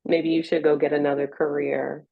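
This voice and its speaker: A woman's voice: deep voice, little pitch movement, normal speed, creaky, dry recording, phone-quality sound. An American woman in a reflective interview conversation, speaking in an earnest, encouraging way. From Richmond, United States.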